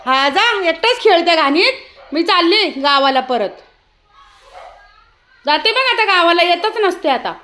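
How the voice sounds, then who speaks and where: High-voiced woman chatting slowly outdoors. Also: animated, bright, forceful tone. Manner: scolding and teasing, with frequent laughter. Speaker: vlogger, dog owner. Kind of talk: casual vlog talk to her dog. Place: outdoors in an open ground.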